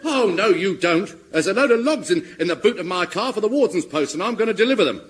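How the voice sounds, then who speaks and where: An actor playing a brash, mocking air raid warden, in a radio comedy. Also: male voice, high voice, expressive, fast talker, slight background noise. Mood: jeering. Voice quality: brash, jeering.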